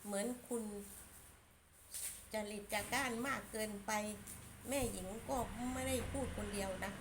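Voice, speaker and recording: Blunt scolding woman, gravelly. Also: medium pitch, background noise. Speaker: commentator. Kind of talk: casual opinion monologue.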